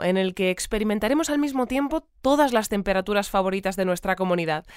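A woman's voice: medium pitch, clean tone, no echo, clean studio sound, lightly acted. A woman playing a composed but easily puzzled radio newsreader in an audio fiction, presenting in a formal announcing manner. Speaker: news presenter. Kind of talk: scripted radio bulletin and interview in audio fiction.

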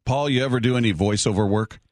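A man's voice: mid-range voice, quick pace, a little mellow, no room sound. A man hosting a sports radio show in a studio, chatting casually and telling stories. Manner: chatty, laughs often, storytelling. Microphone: studio microphone.

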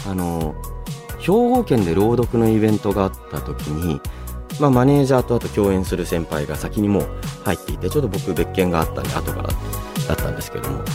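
A man hosting a radio show, chatting and reading listener mail in a polite, expressive manner. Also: low voice, quick pace. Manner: polite, expressive, often breaking into laughter. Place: radio studio. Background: background music.

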